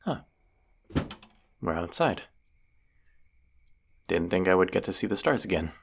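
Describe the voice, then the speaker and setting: Man acting as injured vampire hunter, deep register, heavy vocal fry, wry grumbling banter, audio drama. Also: lively intonation, unhurried, a little hiss or hum, exaggerated voice. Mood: wary, wry. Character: injured, stubborn male vampire hunter, sardonic and teasing. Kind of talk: scripted roleplay audio drama.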